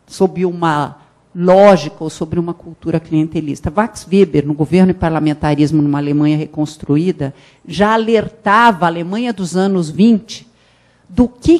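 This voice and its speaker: A middle-aged woman speaks on a panel in a conference hall, holding a handheld mic. Her delivery is animated, with frequent restarts and sudden emphatic rises. She sounds like a seasoned public servant explaining her views. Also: lowish voice. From Brazil. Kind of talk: academic conference talk.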